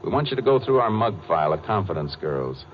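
Muffled 1950s radio western, calm Texas Ranger, deep American voice, terse, businesslike delivery. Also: male voice, quick pace. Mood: probing, firm. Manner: terse, matter-of-fact. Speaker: lead actor and narrator. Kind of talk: 1950s radio western crime drama acting.

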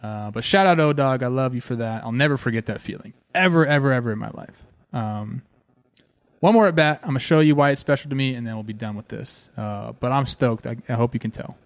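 A man in his thirties from Southern California, a former ballplayer and host, telling stories in an excited, casual way. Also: a little fast, no room sound. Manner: excited, animated, talks with fillers like "man" and "boom". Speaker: former ballplayer hosting a show. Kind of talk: casual storytelling.

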